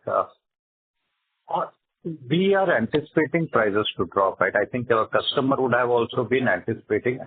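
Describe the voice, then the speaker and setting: A man's voice: medium pitch, slightly rough. A man asking questions as an investor analyst on an earnings call. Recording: thin, phone-like conference line.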